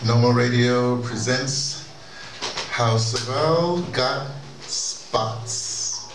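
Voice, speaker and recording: A man's voice: medium pitch, very slow. Distant, echoey male storyteller. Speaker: narrator and presenter. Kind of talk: storytelling narration of an audio drama. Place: large wood-panelled conference hall, indoors. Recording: distant, echoey hall, clear background noise.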